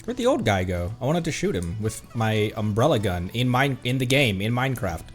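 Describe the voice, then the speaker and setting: A man's voice: mid-range voice, very animated, a little fast, soft background music. A man streaming a game with casual, sarcastic running commentary. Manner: wry, sarcastic.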